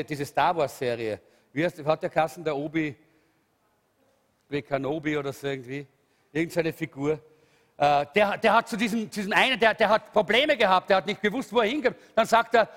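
A man preaching a lively, emphatic sermon, calling out hallelujah. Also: high voice. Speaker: pastor. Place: church hall. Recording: reverberant church hall.

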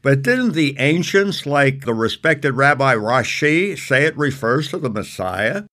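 A man's voice: mid-range voice, very animated, a little slow, bright, forceful tone. A man hosting an interview, asking questions eagerly and affirming his guest. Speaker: interview host.

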